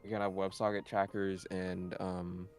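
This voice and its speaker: Low, gravelly young man coding. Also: level tone, normal speed, faint music behind. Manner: matter-of-fact, narrates what he is doing. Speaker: co-developer, stream guest. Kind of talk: casual live coding chat.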